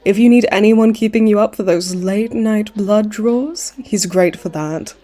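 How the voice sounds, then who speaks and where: A cocky supervillain woman, acted by a woman for a comedy audio roleplay. Her voice is mellow and mid-pitched. She talks in a breezy, chummy, teasing way, entirely pleased with herself. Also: normal speed, lightly acted. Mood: breezy, boastful. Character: cocky, cheeky supervillain woman, a chummy hospital frequent flyer.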